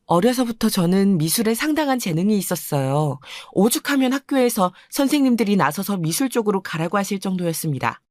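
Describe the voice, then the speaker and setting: Calm woman narrating a life story. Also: brisk, few pauses, no echo, clean studio sound. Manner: calm, lower confiding narration. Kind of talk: scripted first-person story narration.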